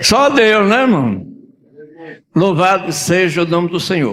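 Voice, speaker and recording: A man talks at a moderate pace with a northeastern Brazilian accent. His pitch is high. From Brazil, Rio Grande do Norte (Mato Grande region). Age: 80s+. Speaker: pastor. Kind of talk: sermon. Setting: church meeting of pastors.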